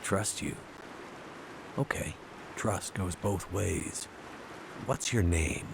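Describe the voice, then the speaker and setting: Deep-voiced, dry survivor hero, noisy backdrop. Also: male voice, gravelly, full character voice. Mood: wary. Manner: dry, measured, skeptical. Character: world-weary, skeptical male survivor hero, dry and steady. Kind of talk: naturalistic video game acting.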